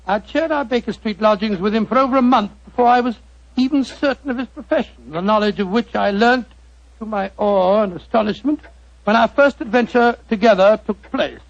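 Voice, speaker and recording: Heard through a muffled old radio broadcast, a high-pitched, gravelly older doctor who tells his tale. He is genial and chuckles as he narrates, in a 1940s radio drama style. The sound is dull and lo-fi. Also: brisk.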